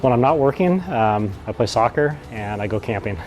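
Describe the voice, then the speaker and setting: A man who grew up in Southern Oregon, a police officer and father, speaking earnestly and warmly in an interview. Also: mid-range voice, expressive, normal speed, faint music behind, rough recording. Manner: earnest, friendly, with fillers. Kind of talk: recruitment video interview.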